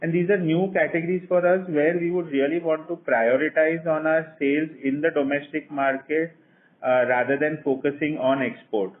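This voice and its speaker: A man's voice: a little high, fairly even intonation. Indian-accented male executive on a tinny phone line. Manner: measured, explanatory, frequently saying "you know". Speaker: company executive answering analyst questions. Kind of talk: earnings call Q&A. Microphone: phone conference call. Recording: tinny, narrow-band conference phone line.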